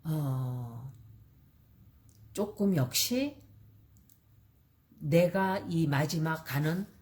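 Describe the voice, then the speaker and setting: A woman's voice: sits low, expressive, extremely slow, darkish tone. A woman astrologer giving casual spoken horoscope advice, chatty and repetitive, mixing in English terms and acting out short example dialogues. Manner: mixes English terms into her talk. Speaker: astrologer and tarot reader.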